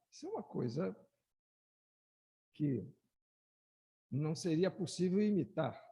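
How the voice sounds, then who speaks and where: A man with a Brazilian Portuguese accent giving a slow, explanatory lecture, raising his voice to recite verses. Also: vocal fry, mellow, breathy edge. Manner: slow, explanatory, rises in pitch and volume when reciting verses. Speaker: lecturer at a spiritist study talk. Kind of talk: lecture with poetry readings. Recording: echoey hall with long reverb.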